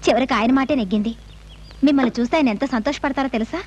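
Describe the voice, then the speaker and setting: A fearless young woman, played by a woman, who answers back firmly and sharply. Her voice sits notably high and clear above her lines. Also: very fast, a little hiss or hum, natural voice. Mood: gentle. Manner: firm, sharp retorts. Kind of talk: film dialogue.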